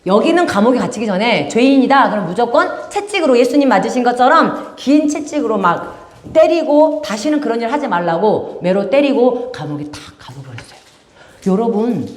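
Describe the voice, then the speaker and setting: A woman's voice: on the high side, big pitch swings, moderate pace, a little mellow, roomy sound. A woman teaching children in a church service, telling a story with lots of questions to the kids. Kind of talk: children's sermon. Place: church room.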